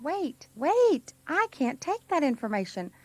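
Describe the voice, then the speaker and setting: A woman playing a flustered, snappish hospital ward worker, shrill and brusque, in a training skit. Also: very animated, unhurried. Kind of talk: training-film dramatization. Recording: noisy old cassette with clicks.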